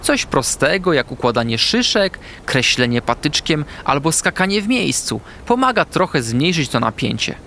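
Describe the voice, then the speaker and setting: A man voicing a kind, wise female owl who explains things gently and patiently in a children's story. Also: a little high, very animated, normal speed, creaky, few pauses, a little hiss or hum, heavily acted. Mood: gentle.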